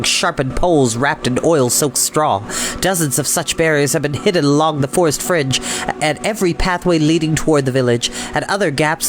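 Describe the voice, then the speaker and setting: A man reading an adventure novel aloud as a storyteller, in expressive, dramatic narration. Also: fairly high pitch. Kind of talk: dramatic audiobook-style narration. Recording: music behind the voice. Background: background music.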